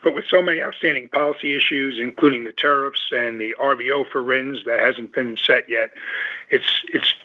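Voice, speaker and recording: A man, a company executive who is losing his voice, giving careful answers on a conference call and clearing his throat. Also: mid-range voice, steady tone, normal speed. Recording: tinny phone line.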